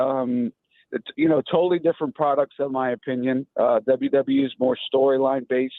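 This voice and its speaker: Using a normal speaking voice, a man talks at a moderate pace and medium pitch with ordinary pitch variation. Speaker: wrestling ring announcer. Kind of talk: interview answer. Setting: phone line.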